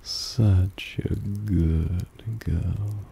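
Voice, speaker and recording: A man playing a possessive, softly dominant vampire in an intimate ASMR roleplay, breathy and often half-whispered, teasing and coaxing. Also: sits low, fairly even intonation, extremely slow, slight background noise, exaggerated voice. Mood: teasing, doting. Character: possessive, softly dominant male vampire doting on his pet.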